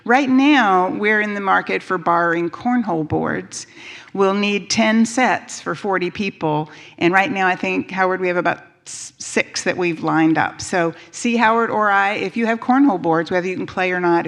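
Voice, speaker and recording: A woman's voice: fairly low pitch, moderate pace, fairly bright tone. A woman giving informal, chatty announcements to a church congregation as a volunteer.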